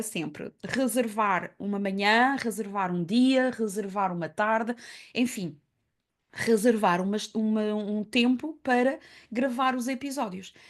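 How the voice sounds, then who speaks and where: A woman speaks fairly slowly at a fairly high pitch. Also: quiet background. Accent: French. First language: French (speaking Portuguese). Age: 50s. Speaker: podcaster and therapist. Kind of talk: conference talk. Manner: hesitant, many fillers.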